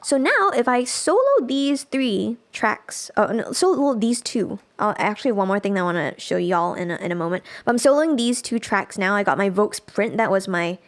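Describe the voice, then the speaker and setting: A woman giving a casual live software tutorial as a music production instructor, thinking aloud as she demonstrates. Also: medium pitch, expressive, moderate pace, hardly any pauses.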